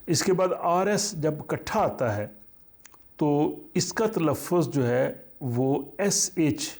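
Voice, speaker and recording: A man teaching a language lesson, explaining slowly with many pauses and fillers. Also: medium pitch, warm tone.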